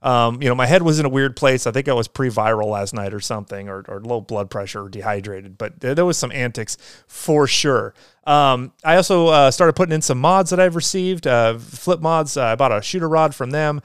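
A man's voice: mid-range voice, a little fast, smooth, dry recording, clean studio sound. A man hosting a casual solo podcast, talking in an upbeat, rambling way with lots of fillers and restarts. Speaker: podcast host.

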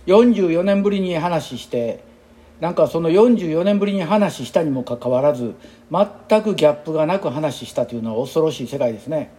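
Speaking with a Kansai Japanese accent, this man in his sixties, an exercise instructor, gives a rambling, chatty and reflective casual monologue. His dark-toned voice is fairly high, brisk and lively in intonation.

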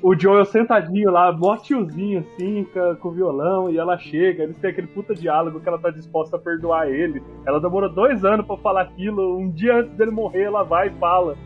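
High-voiced, emotional man chatting. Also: brisk, hardly any pauses, phone-quality sound, faint music behind. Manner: emotional, exclamatory. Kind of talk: casual chat.

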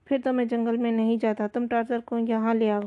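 A timid, blustering shoe trader complains nervously in a storybook reading, with a woman doing the voice. The voice is fairly high and flat, and the recording is dull and lo-fi. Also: close to an everyday voice.

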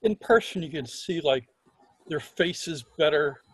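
A man hosting a podcast interview, asking questions in a measured, conversational way. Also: a little high, animated, husky, dry recording, rough recording. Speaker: podcast host.

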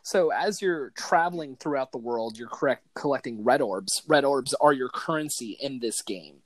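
A man hosting a casual gaming podcast, talking excitedly and enthusiastically in loose slang. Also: mid-range voice, moderate pace, no room sound. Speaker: podcast host.

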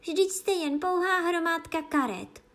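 A woman as a bold young storybook girl, higher childlike pitch, defiant, lively, outspoken.

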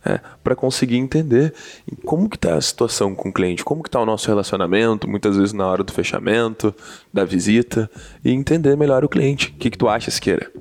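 A man's voice: fairly low pitch, expressive, brisk, a little mellow. A man talking earnestly as a guest on a podcast, checking in with the listener as he makes his points. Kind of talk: conversational podcast talk.

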